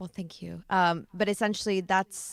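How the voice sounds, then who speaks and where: A woman with an American accent speaks at a moderate pace and medium pitch, her pitch rising and falling in an ordinary way, on a very clean recording with a silent background and a dry, close sound free of echo. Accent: American-sounding. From Italy. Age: 30s. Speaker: composer and recording artist. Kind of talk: casual interview chat.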